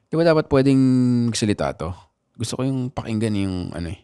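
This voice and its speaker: A man hosting a podcast, telling stories in animated casual chat with constant tag questions. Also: lowish voice, fast talker, clean tone, no room sound, clean studio sound. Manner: animated storytelling with frequent "di ba" asides. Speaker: podcast host.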